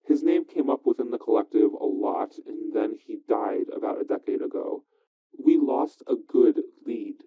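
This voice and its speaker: An actor playing a wary, excitable conspiracy investigator in an audio drama, informal, skeptical and sweary, heard through a phone. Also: male voice, lowish voice. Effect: phone line filter. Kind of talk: audio drama dialogue over a call. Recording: thin, narrow-band phone line.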